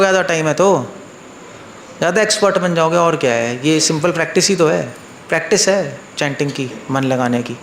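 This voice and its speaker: A man, a monk, giving an informal spiritual talk to a live audience, asking listeners questions and acting out quoted voices in a softer, lower tone. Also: roomy sound, a little hiss or hum. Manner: conversational, asks listeners questions, mixes in English words.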